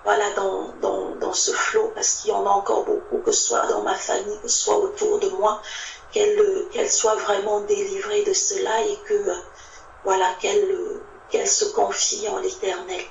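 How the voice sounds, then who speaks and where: Female church member, mid-pitched, sharing informal testimony, muffled recording. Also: flat delivery, moderate pace, vocal fry. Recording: muffled, distant, echoey, noisy recording.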